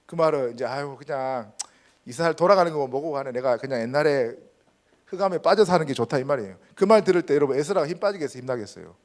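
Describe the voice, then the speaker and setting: Lively Korean pastor preaching. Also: male voice, fairly high pitch. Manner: emphatic preaching, rhetorical questions to the congregation. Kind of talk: sermon. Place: church sanctuary.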